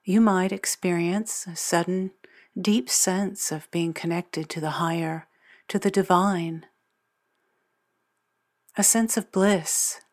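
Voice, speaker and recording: Female meditation narrator, unhurried and measured, slightly low register, leaving long pauses between phrases. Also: steady tone, a little mellow. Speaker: meditation guide.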